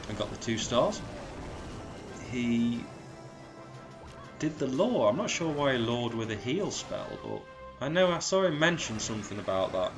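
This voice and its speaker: A man with a cold, sounding croaky and sniffly, casually commentating strategy game replays and calling out percentages. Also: medium pitch. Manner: relaxed, chatty, calls out percentages. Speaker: clan leader commentating war replays.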